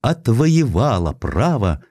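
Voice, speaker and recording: A man's voice: medium pitch, very animated, takes it slowly, mellow, husky, no room sound, clean studio sound, voice pushed up, heavily acted. A man reading an audiobook voices a restless, passionate noblewoman's letter in an earnest, dramatic way. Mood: yearning, passionate.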